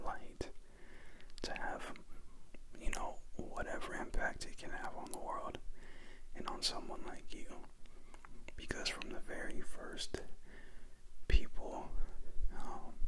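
Loud background noise accompanies fairly slow speech broken by long, frequent pauses. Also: man. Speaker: YouTube creator. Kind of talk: casual vlog chat. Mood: reflective, grateful, sincere. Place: home room. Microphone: earbuds.

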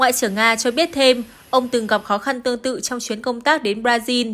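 A woman with a high-pitched voice is heard on a very clean recording with a silent background. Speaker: news presenter. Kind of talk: news reading. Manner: formal.

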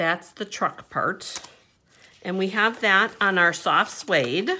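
The woman speaks very slowly, and light noise sits in the background. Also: ordinary pitch variation. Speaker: craft demonstrator. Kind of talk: tutorial.

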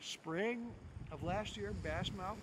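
Noticeable background noise fills the clip. Through it, a man talks at a moderate pace. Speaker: toy reviewer. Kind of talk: casual review vlog chat. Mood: upbeat, hopeful. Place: waterside. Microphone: lapel.

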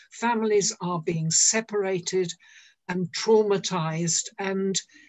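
Somewhat breathy, a woman speaks in a fairly low pitch. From Berlin, Germany. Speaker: Kindertransport survivor. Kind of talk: personal testimony. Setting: video call. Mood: earnest, grave. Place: home room. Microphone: video call.

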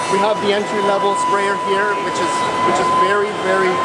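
Loud background noise sits behind the recording. A man speaks at a moderate pace. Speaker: exhibitor salesman. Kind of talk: interview answer. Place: hall. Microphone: camera far.

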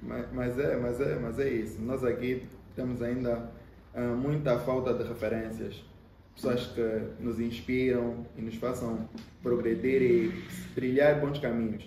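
In an Angolan accent, a man of medium pitch speaks at a very slow pace with fairly even intonation, long, frequent pauses and audible room echo. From Angola, Luanda. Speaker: podcast host. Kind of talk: casual interview.

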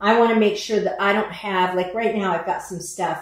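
A woman with an American accent talks at a medium pitch. There is noticeable background noise and audible room echo. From Arizona. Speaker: home crafts video host. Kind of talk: tutorial. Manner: casual, with frequent fillers.

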